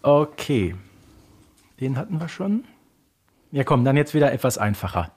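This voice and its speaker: A man's voice: medium pitch, sing-song, normal speed, darkish tone, husky. A man co-hosting a playful fan quiz, chatting casually. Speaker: podcast co-host and radio play expert. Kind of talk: playful quiz chat between fans.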